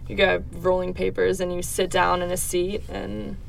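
Young woman with a creaky, low voice. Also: level tone, moderate pace. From Netherlands. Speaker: interview guest. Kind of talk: casual interview answers. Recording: distant mic, faint background noise.

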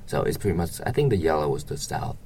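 A man with an extremely low, creaky voice gives informal interview answers. He speaks haltingly, padding his thoughts with hedges, over some background noise. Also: expressive, a little mellow. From Vietnam. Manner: halting, hedging, frequent "you know" and "like".

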